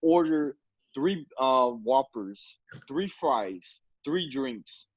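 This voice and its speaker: Speaking from his home over a video call webcam, this twentysomething podcast host spins stories in a relaxed chat and laughs frequently. He has a mid-range voice with lively intonation and talks extremely slowly. The audio is dry and dull.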